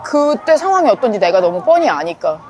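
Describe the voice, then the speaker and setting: A woman's voice: mid-range voice, sing-song, brisk, darkish tone. A woman who is an inheritance lawyer, talking casually to camera and briefly acting out the people she quotes. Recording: background music under the voice.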